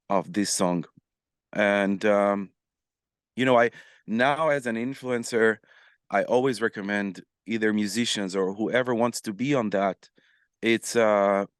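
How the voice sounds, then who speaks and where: A man with a smooth, resonant voice tells his story as a podcast guest. He talks in an animated, casual way, with plenty of fillers and restarts. The sound is dry and close, with no room echo. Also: fairly low pitch. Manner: animated, many fillers and restarts, acts out quoted messages. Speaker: podcast guest, musician and influencer.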